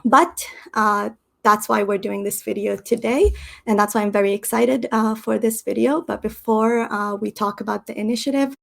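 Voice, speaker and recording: A woman hosting her channel, talking casually and haltingly with many ums and uhs. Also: medium pitch, fairly even intonation, vocal fry, fairly bright tone. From Canada. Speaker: channel host. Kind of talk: casual explanatory talk. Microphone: stream setup.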